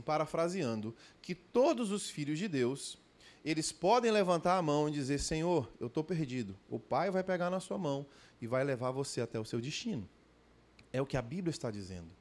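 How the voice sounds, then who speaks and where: A man preaching a sermon at a church conference, telling stories animatedly and calling out to the congregation with frequent tag questions. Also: fairly high pitch. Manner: addresses the congregation directly.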